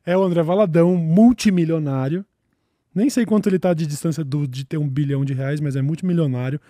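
Sarcastic slangy Brazilian man, high voice. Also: fairly quick, mellow, dry recording, clean studio sound. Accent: Brazilian Portuguese. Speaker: podcast host. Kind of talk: casual comedic commentary.

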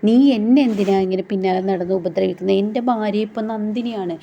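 A woman's voice: mid-range voice, fairly even intonation, brisk, gravelly, dark tone, a little hiss or hum, natural voice. A woman voicing a blunt, dismissive young husband who scornfully rejects an admirer, on a dull lo-fi recording.

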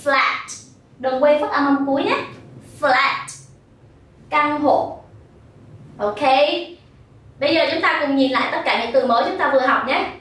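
A woman with a Vietnamese accent teaching English vocabulary to primary pupils, modelling each word slowly and clearly for repetition. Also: high voice, fairly bright tone. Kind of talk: recorded vocabulary lesson. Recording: very echoey room, voice from a distance.

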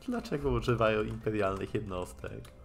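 A man with a Polish accent on a live game stream, haltingly translating dialogue aloud and commenting casually. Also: fairly low pitch, vocal fry. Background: game music.

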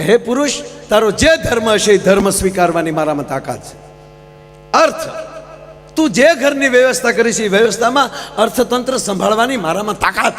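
Guy doing folk comedy on stage, pretty high voice, long hall echo with a faint hum. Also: a bit bright. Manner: folksy, keeps addressing the audience as sir. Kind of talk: live stage humorous storytelling. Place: large live stage program. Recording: reverberant live hall, faint mains hum.

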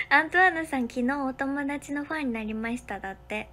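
A young woman, hosting a casual livestream from a hotel room and thanking viewers for their comments one by one, sometimes dropping to a soft whisper. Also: high-pitched, animated, normal speed. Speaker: livestream host.

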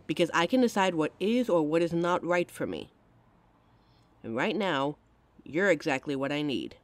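Speaking close to the mic, a woman plays a caring young adult girlfriend in an audio roleplay, addressing the listener intimately and emotionally in a tender, reassuring mood. Her low-pitched voice swings widely, at a moderate pace, with no room sound.

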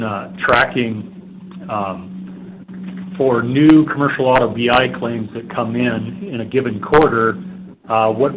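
A man, an insurance executive, giving halting remarks on an earnings conference call, with many fillers. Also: medium pitch. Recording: tinny phone line with faint hiss.

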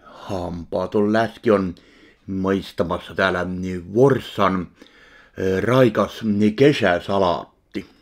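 A middle-aged man from Finland reviewing a salad in a casual food-tasting vlog at his kitchen, slow and deadpan between bites, recorded on a webcam. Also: sits low. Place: kitchen indoors.

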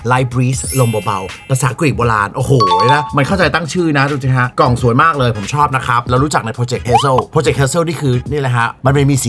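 Fast-talking excitable male tech vlogger. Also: medium pitch. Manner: excitable, swears freely, jokey outbursts. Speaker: tech reviewer. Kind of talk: casual unboxing vlog.

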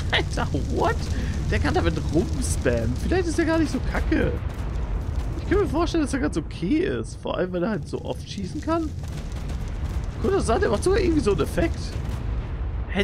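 A young man giving excitable, slangy commentary while playing a video game as a channel host. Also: sits high, noisy background. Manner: excitable, slangy, frequent exclamations. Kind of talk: let's play commentary.

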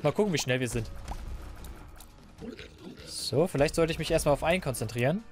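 A man doing casual, rambling commentary while playing a game, a little hoarse and stuffy, into a desk microphone. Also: a little high, animated, brisk, soft background music. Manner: chatty, rambling, self-mocking. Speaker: let's player.

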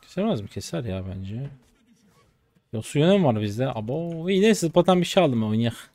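A man in his twenties streaming his gameplay, chatty and excitable, trash talking in slang and breaking into sudden high-pitched outbursts. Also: moderate pace, no echo. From Turkey. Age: 20s. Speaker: game streamer. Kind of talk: live gameplay commentary.

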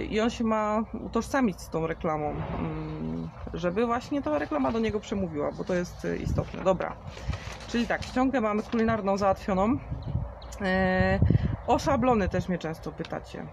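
A woman's voice: mid-range voice, noisy background. A woman in her thirties talking on a live stream, answering viewer questions with a chatty, explaining manner and many fillers. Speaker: marketing trainer for beauty salons. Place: outdoors in a garden.

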